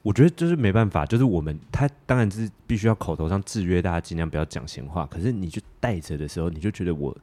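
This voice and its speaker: A man with a Taiwanese Mandarin accent co-hosting a casual podcast chat, telling stories in an animated, joking way. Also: sits low, fast, few pauses. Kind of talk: casual podcast chat about theatre work.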